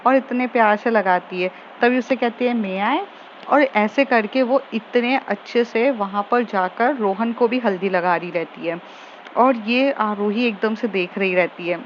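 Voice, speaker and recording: A woman casually retelling a romantic story scene by scene, quoting the characters' lines, with frequent fillers. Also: mid-range voice. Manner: chatty, retells scenes with quoted dialogue and fillers. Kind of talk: casual spoken story recap. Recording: dull lo-fi audio with faint noise.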